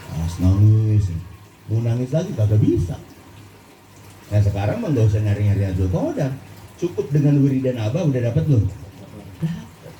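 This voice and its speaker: Guy giving a sufi sermon, lilt, mellow voice, echoey hall, mic far off. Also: slight background noise. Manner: lively, asks the audience questions, swings between low and high pitch. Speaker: preacher. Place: gathering in a hall.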